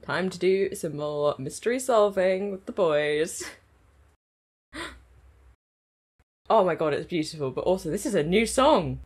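A woman talks into her own microphone, reacting to a show. Her voice sits on the low side and is husky and breathy. It swings widely up and down as she gushes with excitable fangirl energy. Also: measured pace, pauses often. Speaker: anime reaction channel host. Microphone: own desk microphone.

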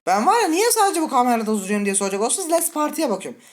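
Brief: male let's-play host, nervous and twitchy, swings from high yelps to low mutters, curses at the game, keeps asking the viewers things. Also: big pitch swings, very fast. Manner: jittery, scared, muttering and cursing at the game; talks directly to viewers. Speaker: gaming channel host.

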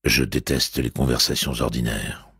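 A man's voice: extremely low pitch, steady tone, normal speed, gravelly, a bit bright, breathy edge, no echo, studio quality, pitched below the performer's own voice, full character voice. A man voicing a sardonic, grumbling blind man. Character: blind man, sardonic, cold-smiling, older.

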